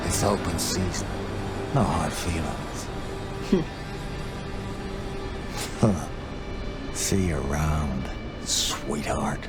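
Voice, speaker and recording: A menacing vampire enforcer for a video game. He drawls crude taunts in a lowish, very slow voice. Loud music plays behind him. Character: brutish, mocking, menacing male vampire sheriff.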